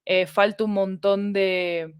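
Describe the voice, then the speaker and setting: A woman talking thoughtfully in a casual interview, pausing to search for words as a guest. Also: medium pitch, flat delivery, clean tone, no echo, studio quality. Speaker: podcast guest, audio fiction expert.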